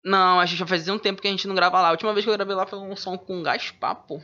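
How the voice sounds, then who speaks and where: A man chats as a rapper guest in laid-back street slang. His voice is bright and forceful. The recording sounds dull and lo-fi. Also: sits high, steady tone, rapid-fire. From Manaus, Brazil. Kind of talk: casual interview chat. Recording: dull lo-fi audio.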